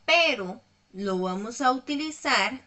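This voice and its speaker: A woman's voice: a little high, expressive, slow, sharp tone. A woman teaching an online English lesson, explaining patiently step by step and checking in often with her students.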